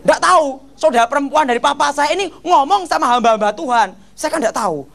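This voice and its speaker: A middle-aged man giving an animated church testimony, constantly addressing his listeners as brothers and sisters. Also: very high voice, quick pace, creaky. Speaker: testimony speaker.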